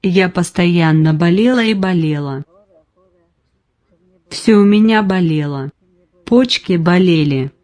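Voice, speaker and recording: Older woman in her nineties, patient interviewee, unhurried, plain short sentences. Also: fairly low pitch, a little mellow. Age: 90s. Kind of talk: slow personal testimony.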